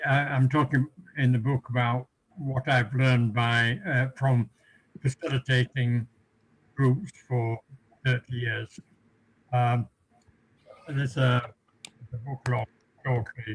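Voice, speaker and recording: A middle-aged man introduces himself on a video call in a measured, halting way, pausing often with fillers. His voice sits at a middle pitch. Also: poor audio. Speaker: workshop participant, facilitator.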